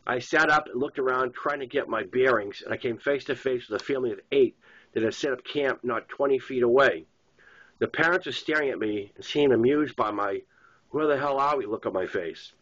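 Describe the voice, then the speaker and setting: A man's voice: medium pitch, brisk, a bit bright. A man with a Boston accent reads a first-person novel aloud as its author, in a plain narrating style with occasional stumbles. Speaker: author reading own novel. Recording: dull lo-fi sound.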